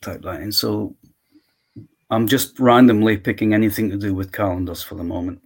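A man walking through his software tool in a live screen-share demo, thinking aloud step by step. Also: on the low side, fairly even intonation, normal speed, vocal fry. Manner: walks through steps aloud, thinking as he goes.

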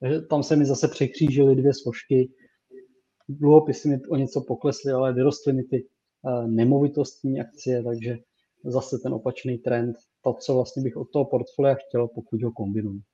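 A man, a financial adviser on a podcast, speaking in a measured way with fillers. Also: medium pitch, steady tone, mellow, dull audio. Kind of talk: casual podcast talk.

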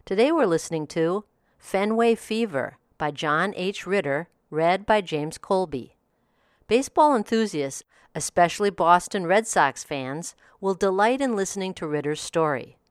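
A woman hosting a daily audiobook review podcast, reading from a script. Her voice is smooth and resonant and sits slightly low. The booth is close and dry, with no echo. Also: expressive, a little slow.

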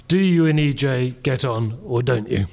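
A man's voice: mid-range voice, moderate pace, vocal fry, dark tone. A man hosting a podcast, reading out listener questions with fillers and restarts. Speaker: podcast host.

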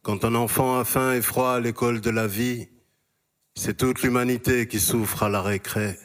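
Guy reading a poem out loud, steady and earnest, mid pitch. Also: normal speed. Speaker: workshop participant. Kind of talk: poetry recitation.

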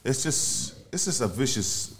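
A man's voice: mid-range voice, huge pitch swings, measured pace, vocal fry. A man with a London roadman accent, chatting casually in street slang and repeating phrases for emphasis.

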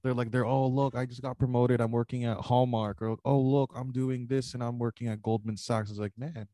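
A man's voice: mid-range voice, little pitch movement, brisk, warm tone, dry recording. A man in his twenties talking in a rambling, casual way, full of fillers. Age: 20s. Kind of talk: casual chat on a video call.

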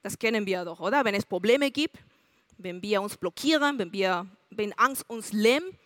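A woman's voice: medium pitch, lively intonation, moderate pace, a bit bright, no room sound. A woman preaching a sermon in an earnest way, speaking straight to her listeners with questions.

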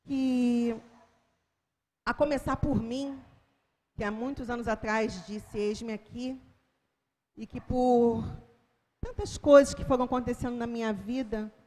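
High-voiced Brazilian woman preaching in a church hall. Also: steady tone, a little slow, pauses often, darkish tone. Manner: dramatic storytelling that swells into fervent proclaiming. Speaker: church speaker giving testimony. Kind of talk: impassioned sermon testimony. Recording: long church hall reverb.

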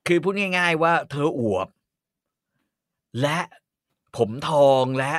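A man chatting casually, telling stories in a relaxed way with frequent swearing. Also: a little high, takes it slowly, dry recording, studio quality. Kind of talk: casual chat.

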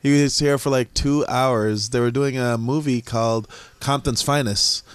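Man, from jamaica, middle-aged, relaxed, lots of um pauses, mid pitch, dry close sound. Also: clean tone, dry recording. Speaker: museum founder, guest. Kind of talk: casual conversation.

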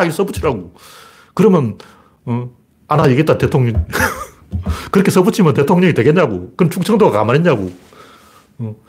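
Male pundit, husky voice, lively swings in pitch, sarcastic casual delivery. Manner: sarcastic and mocking, with scoffing asides and short laughs. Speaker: political commentator. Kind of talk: casual spoken commentary.

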